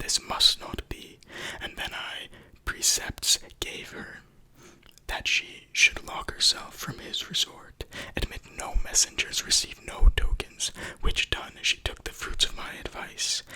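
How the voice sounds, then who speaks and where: The voice whispers in a relaxed tone at a fairly slow pace. Noticeable background noise sits underneath. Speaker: ASMR creator. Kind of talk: Shakespeare play reading. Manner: soft, relaxed.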